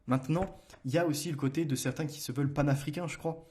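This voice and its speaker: A man's voice: a little high, fast talker, a little mellow. A man hosting a solo commentary show. He argues and challenges listeners with rhetorical questions, reads book passages aloud, and often hesitates and restarts. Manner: argumentative, addresses listeners directly with rhetorical questions.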